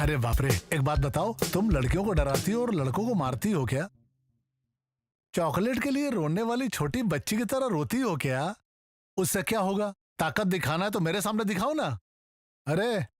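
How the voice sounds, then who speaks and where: A man dubbing a boastful comic actor who taunts and brags loudly. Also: on the high side, no room sound. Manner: bragging, taunting, then wailing for mercy. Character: swaggering, boastful male film actor. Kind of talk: Hindi film dubbing.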